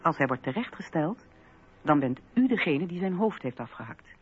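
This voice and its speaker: A woman's voice: deep voice, very animated, moderate pace, husky, heavily acted. A woman playing a resolute, coolly admonishing French Revolution landlady in a radio play. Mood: stern, cool. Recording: phone-like radio recording, faint music.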